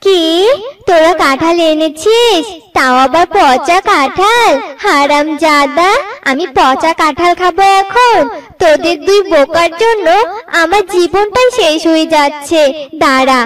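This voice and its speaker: A performer voicing a sharp-tongued, clever female jackal wife in a cartoon, hectoring and commanding. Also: very high-pitched, lively intonation, unhurried, exaggerated voice. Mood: furious.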